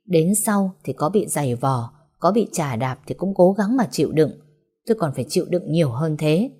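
A cold, resentful young father with a hard, curt edge, as a woman narrator puts him on. He speaks slowly and deliberately, in a voice dropped low and mellow for the storybook reading. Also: expressive. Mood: bitter. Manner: cold, clipped, slow deliberate delivery.

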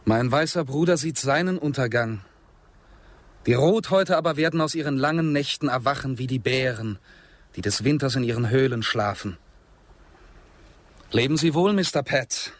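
A man plays a dignified Native American of the Old West in a radio drama. He speaks in a medium-pitched voice with solemn, lyrical formality. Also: normal speed, long pauses, no echo, natural voice. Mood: solemn, calm. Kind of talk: German radio drama acting.

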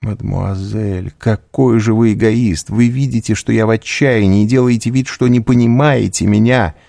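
A man's voice: fairly even intonation, normal speed, creaky, mellow, no room sound, studio quality. A man reading an audiobook, voicing a young noblewoman in raised, pleading, distressed tones. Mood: indignant. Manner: raised pitch, tearful urgency.

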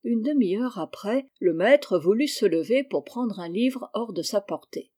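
A woman narrating a classic children's novel in a measured storytelling voice. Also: mid-range voice, animated, mellow, breathy edge. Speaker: audiobook narrator. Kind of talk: scripted narration.

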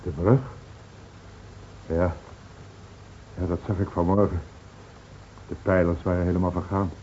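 A man's voice: deep voice, flat delivery, a little slow, dark tone. An actor playing a subdued, matter-of-fact village man in a Dutch radio drama. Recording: dull, faintly noisy old radio recording.

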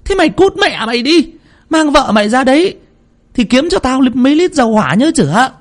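A man's voice: extremely high pitch, sing-song, brisk, voice pushed up. A man voicing a brusque, cursing older village woman healer in a spoken horror story. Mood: furious. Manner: scolding, cursing, barking orders.

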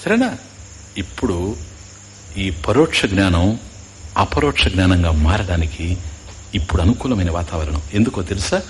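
A man's voice: medium pitch, slight background noise. A man giving a spiritual discourse as a Vedanta teacher, often quizzing his listeners and dropping in English asides.

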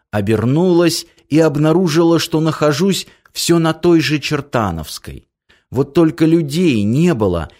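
A man reading a first-person story aloud in a measured way, with long pauses. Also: mid-range voice, a little mellow. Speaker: audiobook narrator.

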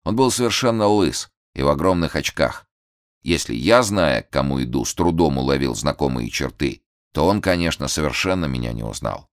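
A man reading a novel aloud as an expressive audiobook narrator. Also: very deep voice, normal speed, no room sound, clean studio sound. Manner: expressive storytelling. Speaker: audiobook reader. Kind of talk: scripted narration.

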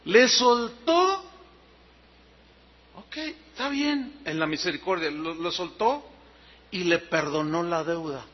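A man with a Mexican accent preaching a sermon, animated, explaining the meaning of words and acting out scenes. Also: on the high side, measured pace, husky. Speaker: pastor. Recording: dull lo-fi sermon recording.

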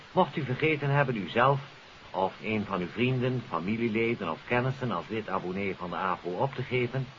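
A man's voice: low voice, bright, forceful tone. A man presenting on 1950s radio, addressing listeners in a formal, courteous, scripted announcement. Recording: hissy, dull 1950s radio recording.

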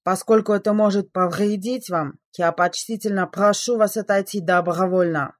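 A man voicing a relentless female robot who speaks in a slow, dutiful, flat contralto. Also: sits high, no echo, clean studio sound, pitched above the performer's own voice, lightly acted. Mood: cold dutiful.

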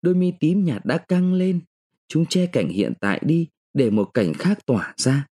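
A man reads a short story aloud with strong feeling. His pitch rises and falls over a wide range. His voice is mellow and slightly husky. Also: animated, moderate pace. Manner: emotive, dramatic. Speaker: narrator. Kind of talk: dramatic short-story reading.

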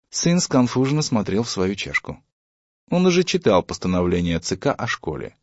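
A man's voice: lowish voice, dry recording, highs cut off. A man narrating a humorous story for an audiobook. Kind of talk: scripted narration.

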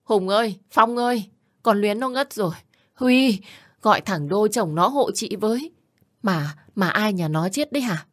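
A man's voice: sits high, lively intonation, unhurried, no echo, studio quality, voice pushed up. A man voicing a middle-aged woman cook calling out to coworkers in panic, in a storybook reading. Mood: panicked.

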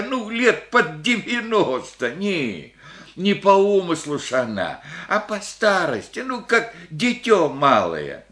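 A man's voice: high-pitched, pushed and bright, exaggerated voice. An actor playing a humble, elderly village grandfather who speaks in a rambling, hesitant rustic way in a radio play. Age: older. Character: humble old village grandfather, burned out of home.

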